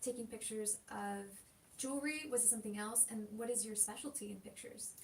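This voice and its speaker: Woman interviewer, higher voice, gently encouraging, recorded at a distance in a reverberant room with faint noise. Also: fairly quick. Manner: encouraging, frequent short backchannels. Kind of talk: casual interview.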